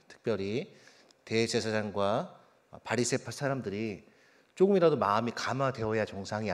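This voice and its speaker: A male pastor preaching a sermon. He asks the congregation questions, reads scripture aloud with a raised voice, and lets his phrase endings fall soft. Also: on the low side. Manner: slows and drops soft at phrase ends.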